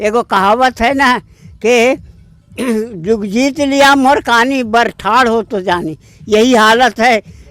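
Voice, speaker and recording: This man's voice sits at an extremely high pitch. Its pitch variation is ordinary. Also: dry, close sound with no echo. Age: 70s. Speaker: retired teacher, protesting villager. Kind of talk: field interview.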